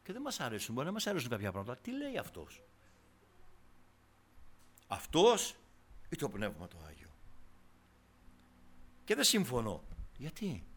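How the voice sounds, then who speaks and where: Preaching to his congregation in a medium-pitched voice, a man delivers an impassioned sermon that drops to near whispers before surging into loud, fervent cries.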